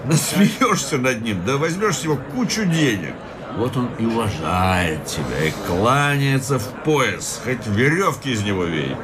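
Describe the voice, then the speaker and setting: A man's voice: medium pitch, very animated, unhurried, a crowd in the background. An actor playing a cynical, hard-drinking male petition-writer in a radio play, boisterous and mocking, always pressing drinks on his companion. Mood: boozy. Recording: music playing behind the voice.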